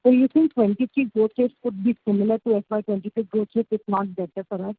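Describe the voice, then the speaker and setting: Husky lady analyst asking stuff on an earnings call, thin phone sound. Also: medium pitch, fairly even intonation, quick pace, dry recording. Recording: muffled, narrow phone line.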